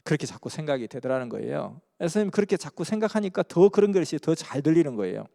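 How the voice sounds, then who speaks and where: A man's voice: fairly high pitch, sing-song, fast, vocal fry, dark tone. A man from Busan, earnestly telling a story in a sermon. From Busan, South Korea. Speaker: preacher. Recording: long hall reverb.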